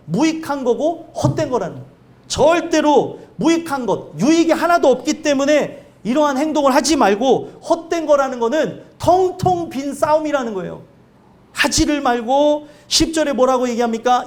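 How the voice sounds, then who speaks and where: A male pastor giving a sermon, earnest and conversational, with lively anecdotes. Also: extremely high pitch.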